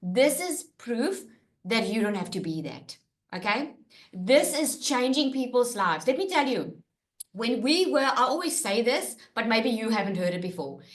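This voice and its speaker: An animated woman's voice, high-pitched with very wide pitch swings, at a moderate pace with audible room echo. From South Africa. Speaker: online business coach. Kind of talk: webinar sales pitch. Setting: webinar with screen sharing.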